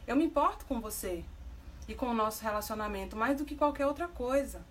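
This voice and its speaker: A woman's voice: on the high side, animated, a little fast, slight background noise, natural voice. A woman voicing a tearful wife pleading with her distant husband, read aloud plainly in a Brazilian accent.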